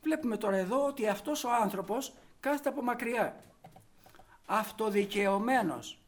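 A man preaching a sermon, fervent, rising to loud emphatic peaks. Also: high-pitched, expressive.

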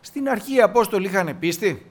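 A man preaching a sermon in Greek, telling biblical stories with acted-out dialogue and repeating words for emphasis. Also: high-pitched. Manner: animated storytelling, acting out biblical dialogue.

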